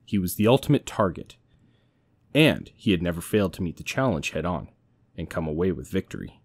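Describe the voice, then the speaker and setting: A man's voice: low voice, sing-song, brisk, breathy edge, no room sound. A man giving a dramatic scripted narration as the narrator of an audio story.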